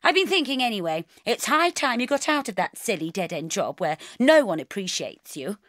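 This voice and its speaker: A woman with a British accent voicing a brisk, bossy middle-aged mother who talks in an emphatic, gushing way in an audiobook. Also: mid-range voice, sing-song, fairly bright tone, no echo, studio quality, voice pushed up.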